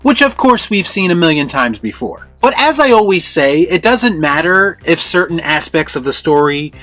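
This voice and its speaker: A man delivers scripted review commentary as a host. His voice sits a little high for a man, with light music playing underneath. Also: sing-song, moderate pace, a bit bright. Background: background music.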